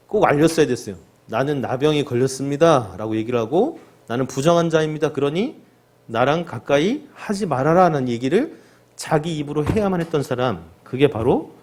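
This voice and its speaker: A male pastor preaching a sermon, often asking the congregation questions and loudly acting out the cries of the sick. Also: medium pitch. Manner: asks the congregation rhetorical questions and acts out the lepers' cries.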